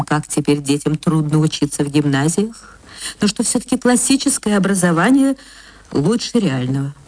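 A woman narrating a literary radio play in a measured, expressive way. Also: on the low side.

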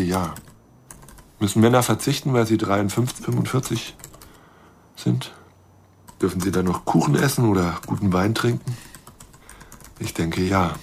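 An actor playing a lonely, lovestruck middle-aged astronomer, brooding and confessing in a radio drama. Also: male voice, fairly low pitch, vocal fry, slight background noise. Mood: pensive, hopeful.

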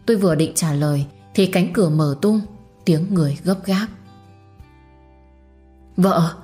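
A woman's voice: lowish voice, dark tone. A woman narrating a first-person story in an emotional, dramatic reading style. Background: faint music.

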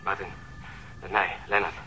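An actor playing a shaken, irritated police detective, curt and urgent, heard through a telephone filter in a radio drama. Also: male voice, low voice, level tone, normal speed, pushed and bright, a little hiss or hum. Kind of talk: naturalistic radio drama acting.

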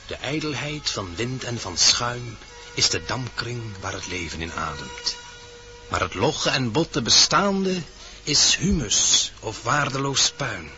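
An actor playing a solemn, pompous philosophising sage in a radio play. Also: male voice, medium pitch, sing-song, slow pace, pushed and bright, full character voice. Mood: oracular. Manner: pompous, oracular. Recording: muffled old radio play with music.

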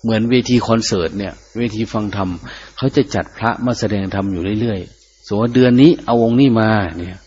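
A man's voice: fairly low pitch, brisk, dark tone. An older man, a Buddhist monk, giving a dhamma talk where he chants Pali phrases and then explains them plainly. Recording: muffled lo-fi recording.

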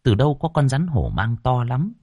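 A man telling a dramatic story with vivid, expressive narration. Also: mid-range voice, normal speed, slightly rough, no room sound, highs cut off.

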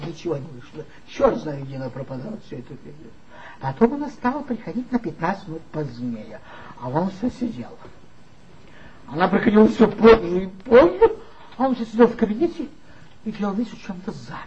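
A tipsy, sly former magazine man confides mocking gossip with a lively, wandering pitch. It is a 1960s stage radio play, heard through a dull, muffled old recording with faint hiss. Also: fairly quick. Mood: gossipy.

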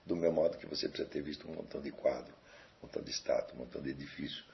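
A man's voice: rumbling low, fairly even intonation, rapid-fire, creaky, highs cut off. A man with a Brazilian Portuguese accent giving a recorded lecture, talking in a digressive, conversational way and asking rhetorical questions.

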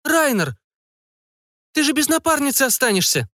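A man voicing a fussy, excitable middle-aged mother who fires off anxious questions. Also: very high voice, normal speed, dry recording, studio quality, voice pushed up, heavily acted. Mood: fretful. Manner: fretful, breathless questioning.

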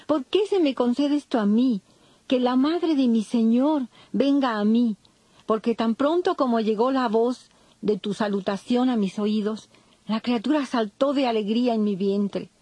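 A woman's voice: on the high side, unhurried, warm tone, no room sound. An actress playing a devout, grateful older expectant woman in reverent, declamatory dramatized scripture. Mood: awed, joyful. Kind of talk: dramatized scripture audio acting.

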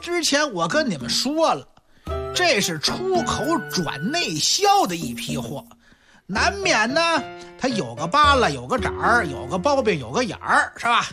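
A woman's voice: a little high, wildly swooping pitch, a little slow. A woman voicing a slick male bike-shop boss who dodges blame with glib, placating excuses, in a radio comedy drama. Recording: radio drama with music bed. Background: music.

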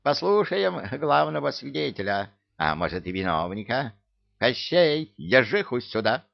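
A man voicing a brisk, commanding old witch in an audiobook reading. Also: medium pitch, sing-song, creaky, muffled recording, voice pushed up. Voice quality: curt, commanding.

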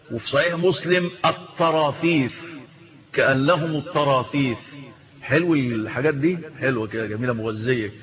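A man with an Egyptian Arabic accent giving a religious lesson, asking the listener rhetorical questions and drawing out quoted words slowly. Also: on the high side, dull audio. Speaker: Islamic scholar teaching.

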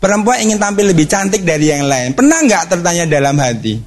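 A middle-aged man giving a lively religious seminar talk, jokey and animated, putting questions to the audience. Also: sits high. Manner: animated, jokey, asks the audience questions, acts out quick exclamations. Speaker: speaker at a parenting and youth talk.

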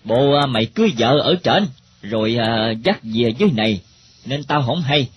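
An actor playing a teasing older rural uncle with a Southern Vietnamese accent, folksy and full of hesitant fillers. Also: male voice, mid-range voice, lively intonation, normal speed, slight background noise, lightly acted. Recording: dull lo-fi recording.

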